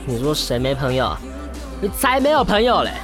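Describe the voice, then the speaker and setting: A man's voice: a little high, very animated, moderate pace, music in the background. An actor with a Taiwanese accent playing a drunk, heartbroken, brash gay man in a radio drama, rambling and slurring. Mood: tipsy defiance. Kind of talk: Mandarin radio drama acting.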